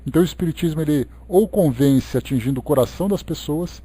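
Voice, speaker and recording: A man's voice: fairly high pitch, fast, warm tone, husky. A Brazilian man giving an expository study talk as a lecturer, reading aloud and explaining in a didactic way with conversational asides. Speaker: lecturer leading a Spiritist book study.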